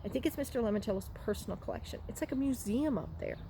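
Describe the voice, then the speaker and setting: A woman's voice: fairly high pitch, sing-song, fast, warm tone. A woman voicing a friendly, doubtful storybook girl who talks casually and frankly. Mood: chatty. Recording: clearly noisy room recording.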